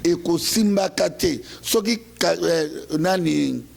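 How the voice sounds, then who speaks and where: A raspy-voiced Congolese man delivering an impassioned political speech. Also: on the high side, slow. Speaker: political commentator.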